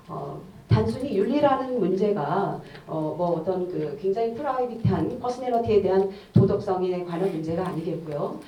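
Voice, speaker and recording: A middle-aged woman speaks as a conference discussant, formal and measured, pausing often on soft fillers. Her voice is picked up from a distance in a reverberant hall. The sound is slightly dull and muffled. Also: mid-range voice. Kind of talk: academic panel discussion.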